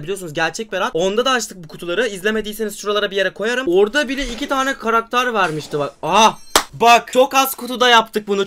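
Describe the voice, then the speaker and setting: A young man giving loud, playful gameplay commentary as a gaming YouTuber, teasing his viewers and shouting on big wins. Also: very high voice.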